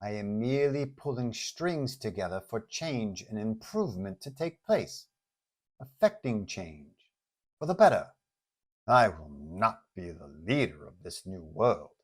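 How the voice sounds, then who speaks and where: A man voicing a composed, calculating female villain in a superhero story, speaking softly and formally. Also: lowish voice, big pitch swings. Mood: measured. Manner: measured, formal, soft-spoken. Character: composed, calculating female villain mastermind leading secret revolution.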